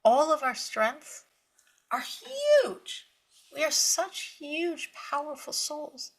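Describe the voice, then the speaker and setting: A woman giving a spiritual Torah lecture, telling stories with lively emphasis, repeating words and laughing lightly between points. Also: high voice, slow pace. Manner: animated storytelling with emphatic repetition. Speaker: Torah teacher.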